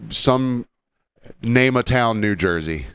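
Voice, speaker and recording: A man with a mild Southern accent hosting a podcast, rambling casually, joking and slipping into quick impressions. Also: medium pitch, animated, fairly bright tone, clean tone, no room sound. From Southern United States. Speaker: podcast host.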